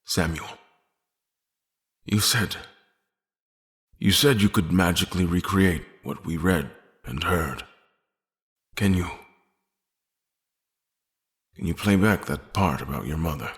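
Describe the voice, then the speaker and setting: An actor playing a weary, haunted father in an audio drama, speaking in halting, breathless phrases. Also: sits low, fairly bright tone, exaggerated voice. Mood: shaken, hesitant. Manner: halting, breathless, repeats himself. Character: weary, haunted father, former tyrant regaining memory.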